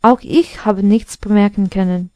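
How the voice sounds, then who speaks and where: A woman's voice: medium pitch, fairly even intonation, normal speed, warm tone, dry recording, lightly acted. A woman voicing a proud, snobbish talking sofa in a storybook reading.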